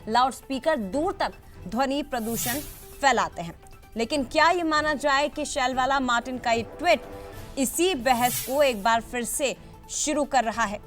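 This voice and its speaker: A woman's voice: high-pitched, a little slow, fairly bright tone, faint music behind. A woman anchoring a TV news debate, putting pointed questions to guests.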